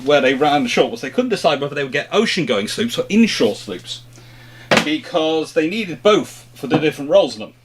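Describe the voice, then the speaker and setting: Higher-pitched man explaining informally. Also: a little hiss or hum. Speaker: host of a history question-and-answer show. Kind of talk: informal unscripted explanation, question-and-answer chat.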